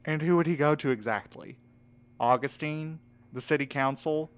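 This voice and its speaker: Man playing clear, direct, exasperated friend. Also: fairly high pitch, normal speed, lightly acted. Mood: urgent. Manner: direct, plain-spoken, mildly sarcastic. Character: earnest, protective, exasperated male friend and mediator. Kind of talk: audio drama acting.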